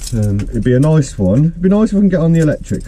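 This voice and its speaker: There is a normal speaking voice from a man, heard over light background noise. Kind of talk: casual vlog chat. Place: car. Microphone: camera far.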